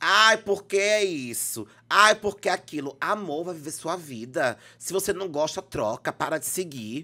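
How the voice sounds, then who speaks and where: A man with a high pitch speaks fairly slowly in an animated, bright, sharp tone with lively intonation. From Brazil, Sergipe (Aracaju); Sergipe, Brazil. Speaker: TV personality and reality show contestant; podcast guest. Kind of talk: casual interview chat. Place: studio. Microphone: studio mic.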